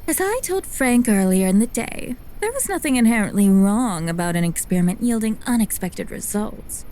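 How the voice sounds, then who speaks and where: A woman's voice: medium pitch, animated, normal speed, mellow, lightly acted. A woman playing a ruthless, witty lead scientist in an audio drama, dry, imperious and formally spoken. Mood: dryly sardonic. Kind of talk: first-person audio drama narration and dialogue.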